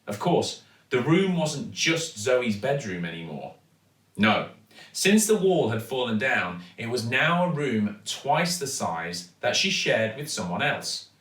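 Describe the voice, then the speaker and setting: A man narrating a children's story expressively, with dramatic, deliberate emphasis. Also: medium pitch, sing-song, fairly bright tone. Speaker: actor reading a children's story. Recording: echoey room, distant microphone.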